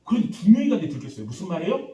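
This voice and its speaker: A man preaching a revival sermon as a pastor, lively and acting out the people he quotes while quizzing the congregation. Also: high voice, very fast. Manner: animated, acts out quoted voices, quizzes congregation. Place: church sanctuary. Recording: echoey church hall, distant mic.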